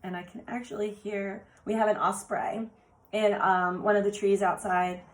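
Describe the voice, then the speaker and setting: A woman whose voice is raspy from laryngitis, doing an oracle card reading for viewers and exclaiming eagerly over the cards in a soft, meandering way. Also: medium pitch, flat delivery, normal speed, slight background noise, rough recording. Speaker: card reader.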